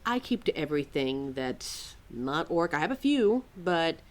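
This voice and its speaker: A quirky, motherly keeper of forgotten lore, played by a woman in an audio roleplay. She speaks slowly in a low female voice that rises and falls a great deal. Her manner is wry and a little exasperated, with musing asides to the listener. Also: very animated. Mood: musing, informative. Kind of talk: ad-libbed ASMR-style roleplay, talking to a listener.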